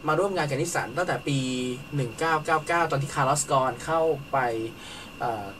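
A man's voice: a little high, moderate pace, distant mic, background noise. A man hosting a car talk show, retelling an interview in a chatty way with frequent hesitation fillers. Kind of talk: conversational recap on a talk show.

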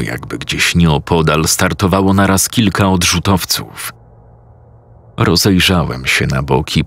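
A man narrating a scripted horror story in a tense, measured voice, close to a studio mic. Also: low voice, a bit bright, no room sound.

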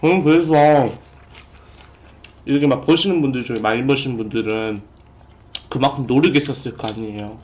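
A man's voice: medium pitch, brisk, pauses often, darkish tone, slight background noise. Young man politely answering stream viewers. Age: young adult. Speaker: mukbang streamer. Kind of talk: casual chat, reading viewer donations. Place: small room indoors at a food-covered table.

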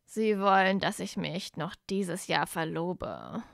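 A woman reading aloud voices a proud young male wizard who sounds flat and defeated, speaking low and slowly. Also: vocal fry, no echo, studio quality, full character voice. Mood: weary.

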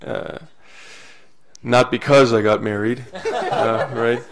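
A man's voice: medium pitch, takes it slowly, crowd noise. A young man, originally from California, introducing himself on a panel and joking lightly. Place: university lecture hall panel table.

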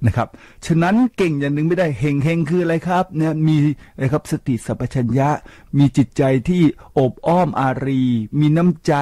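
Older man radio host, dark dry voice. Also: on the high side, no room sound. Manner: lively, preachy, asks listeners rhetorical questions; mixes English words into his speech. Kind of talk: radio talk to listeners. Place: radio studio. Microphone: studio microphone.

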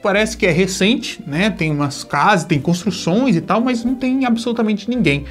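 A man's voice: sits high, expressive, moderate pace, faint music behind. A man with a Brazilian accent recapping an anime in an exasperated, sarcastic way, acting out the characters' lines. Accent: Brazilian Portuguese. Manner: exasperated, sarcastic storytelling with acted-out quotes. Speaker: anime review host.

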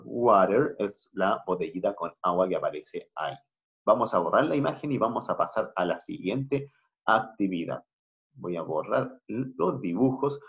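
A man with a Chilean accent teaching an English class online, switching between slow English and Spanish explanations. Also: lowish voice. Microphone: video call. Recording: muffled video-call audio.

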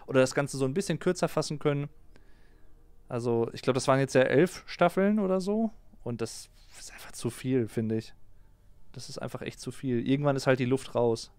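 Man in his 30s, stream host, relaxed and chatty, dry close mic. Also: medium pitch, a little fast, clear, resonant tone, dry recording. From Germany. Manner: relaxed, chatty, reads out viewer comments. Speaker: streamer reading and answering live chat. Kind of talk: casual live-stream chat. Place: small home streaming room. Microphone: close desk mic on a boom arm.

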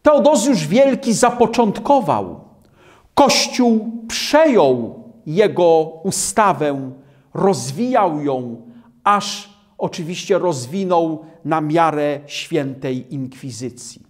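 A man preaching a sermon on scripture in a slow, emphatic way, with dramatic drops in his voice. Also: on the high side, expressive.

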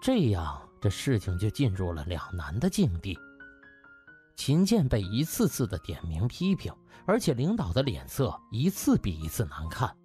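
A man's voice: fairly low pitch, huge pitch swings, moderate pace, warm tone, faint music behind. A man narrating a novel as a dramatised audiobook.

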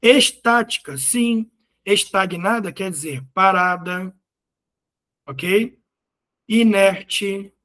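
A male teacher working through exam questions, slowly spelling out syllables and often asking "ok?" to check understanding. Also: high-pitched, fairly bright tone. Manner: patient, repeats words and syllables, frequent "ok?" checks.

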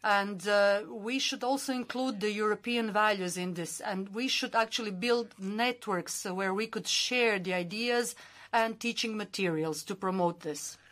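A woman simultaneously interpreting formal conference speeches, with many filler pauses and a steady, formal delivery. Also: medium pitch.

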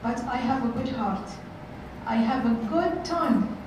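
A woman's voice: on the high side, animated, measured pace, dull audio. Earnest middle-aged woman speaking in echoey hall. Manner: earnest, repeats phrases, many fillers. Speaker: workshop speaker. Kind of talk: motivational talk to youth. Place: large hotel conference room. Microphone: far camera. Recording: echoey room from far off, noisy.

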